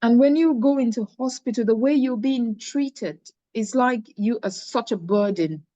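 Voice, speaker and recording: A woman's voice: a little high, normal speed, mellow, no room sound, lo-fi sound. A middle-aged woman from Cameroon, a charity founder earnestly telling her personal story in an interview, often restarting her phrases.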